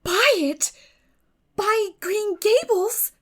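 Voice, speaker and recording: A woman's voice: extremely high pitch, expressive, drawn-out words, fairly bright tone, voice pushed up, exaggerated voice. A woman voicing an earnest teenage girl in a storybook, emotional, pleading and emphatic, tender yet resolute. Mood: shocked. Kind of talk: dramatic audiobook reading.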